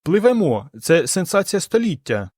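A man voicing an eager, excitable young woman who exclaims brightly in an audiobook. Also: high voice, moderate pace, no room sound, clean studio sound, voice pushed up. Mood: excited. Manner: exclaiming, bubbly.

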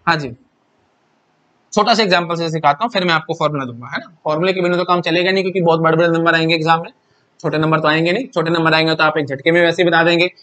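A man's voice: on the high side, steady tone, rapid-fire, a bit bright. A young Indian man teaching an exam-prep math lecture in mixed Hindi and English, chatty and repetitive, often asking and answering his own questions.

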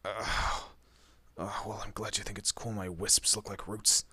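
A man plays a male monster detective in a horror audio roleplay. His voice is low and husky with a bright, forward edge. He talks casually, needling his human partner while looking out for them. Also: level tone, measured pace, dry recording, full character voice. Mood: grumbling, fond. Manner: casual, teasing, muttered asides. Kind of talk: horror roleplay audio drama, addressing the listener.

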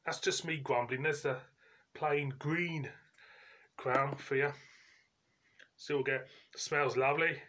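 A man, giving a casual, chatty review in colloquial, halting phrases as host. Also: medium pitch, fairly even intonation, bright, forceful tone. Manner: informal, colloquial, pauses mid-sentence. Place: indoors, living room at home.

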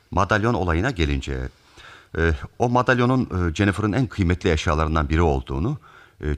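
An actor playing a calm, methodical detective who explains a case deliberately in a radio theatre mystery. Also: male voice, deep voice.

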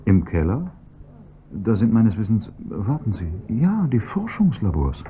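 A man's voice: fairly low pitch, huge pitch swings, unhurried, dark tone. An actor playing a polite, ingratiating and evasive male chauffeur in a radio drama. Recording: dull lo-fi recording, faint hiss.

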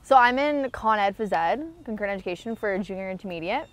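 A young adult woman from small-town Ontario, with a Canadian accent, answers an outdoor interview on a sports field as an athlete. Her medium-pitched voice is animated and quick, and her answers are casual, informal and slangy.

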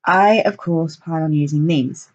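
A woman voicing a calm, serious young male water fairy in a storybook reading. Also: deep voice, measured pace, muffled recording. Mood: thoughtful.

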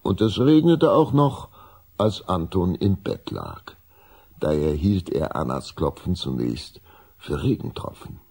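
Very deep, gravelly male narrator. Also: animated, a little slow, darkish tone. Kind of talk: scripted children's story narration.

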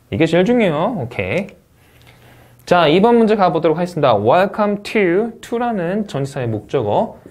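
A man teaching a test-prep review lecture, talking in an emphatic, upbeat way and often punctuating points with quick interjections. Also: fairly high pitch. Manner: lively, emphatic teaching with frequent "자" and "오케이".

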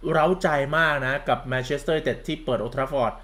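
A man's voice: mid-range voice, fairly even intonation, a little slow, pushed and bright. A campy man gives a sarcastic, crude-mouthed football commentary rant, calling himself big sister. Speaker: football vlogger.

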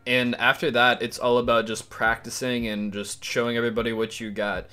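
A man's voice: medium pitch, level tone, fairly quick, bright, forceful tone, clear, resonant tone, soft background music. A man hosting a casual video tutorial, upbeat and talking straight to his viewers. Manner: chatty, upbeat, direct to viewers. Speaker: YouTube host.

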